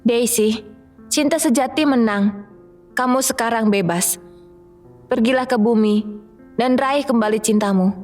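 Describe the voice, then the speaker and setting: A woman's voice: on the high side, measured pace, pauses often, darkish tone, soft background music, lightly acted. Woman voicing a regal, commanding fairy queen. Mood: solemn, relenting. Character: stern, commanding Fairy Queen, adult female. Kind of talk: children's fairy tale cartoon dub.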